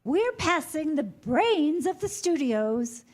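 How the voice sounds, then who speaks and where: Woman playing a bubbly, high-voiced tour guide. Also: sing-song, slow, a little mellow, heavily acted. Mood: cheery. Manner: bubbly, announcing to a group. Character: bubbly, excitable female studio tour guide. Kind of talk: staged screenplay reading.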